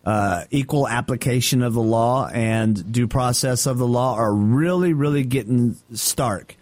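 A man's voice: medium pitch, measured pace, darkish tone, no room sound. A man co-hosting a talk radio show, giving blunt, dismissive opinions in casual chat. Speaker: radio co-host.

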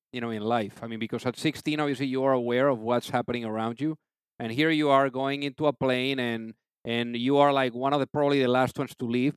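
A man's voice: mid-range voice, smooth, no echo. A man hosting a podcast interview, wordy and conversational, often padding with "you know".

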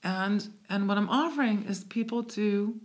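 Speaking at a normal speed in a medium-pitched voice, a woman guest from the United States reflects aloud during a conversational interview. She is a native speaker of English and Hebrew, and she searches for her words, often restarting.

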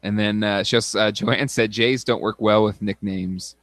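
A man's voice: fairly low pitch, fairly even intonation, moderate pace, a bit bright, dry recording, clean studio sound. A man in his thirties co-hosting a casual chat, hesitant with many fillers. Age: 30s. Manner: hesitant, lots of fillers, reads aloud. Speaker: podcast co-host.

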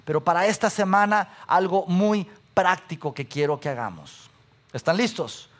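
Brief: pastor, high, bright voice, lively preaching that fires questions at the congregation. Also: male voice, moderate pace. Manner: animated, asks the audience questions, repeats lists. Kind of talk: sermon.

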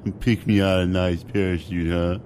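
An actor playing a drunk, dim-witted airline passenger who stammers and repeats himself in a comic radio play. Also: male voice, low voice, little pitch movement, moderate pace, a little mellow, slight background noise, natural voice. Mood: befuddled.

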